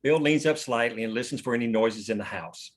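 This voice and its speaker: A man's voice: mid-range voice, brisk. A man reading stage directions as scripted narration at a table read.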